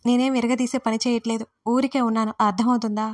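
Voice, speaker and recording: A woman's voice: on the high side, little pitch movement, fast talker, natural voice. A woman voicing a hurt, demanding adult daughter who confronts her parents in an audiobook family drama. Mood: reproachful. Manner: reproachful, emotional. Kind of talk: audiobook role reading.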